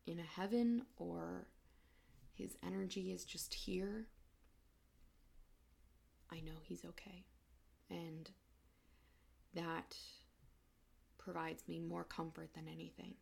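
A young woman talks straight into her podcast mic. Her voice sits low and has a gravelly fry. She speaks in a halting, emotional way, close to tears, and often pauses between phrases. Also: steady tone. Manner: emotional, halting, soft-spoken. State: tearful. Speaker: podcast host. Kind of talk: personal podcast monologue.

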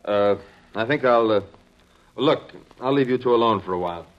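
An actor playing a composed, authoritative security police chief in a 1950s radio drama, brisk and matter-of-fact. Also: male voice, mid-range voice, natural voice. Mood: polite. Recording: dull, noisy 1950s radio recording.

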